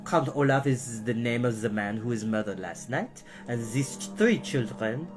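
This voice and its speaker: A man voicing a sinister, vain male villain in disguise, with a wheezing, scratchy voice and a slow, smug drawl. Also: medium pitch, expressive, music in the background, lightly acted. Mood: scheming.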